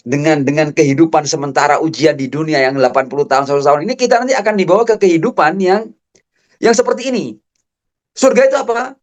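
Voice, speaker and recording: In a lecture hall, a man gives a public religious lecture, quoting Arabic verses slowly before explaining them. His delivery swings between high, emphatic peaks and low, slow explanations.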